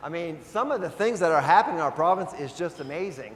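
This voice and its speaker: Speaking in a Quebec accent, a man uses a high pitch. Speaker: keynote speaker, food author. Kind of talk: dinner keynote speech.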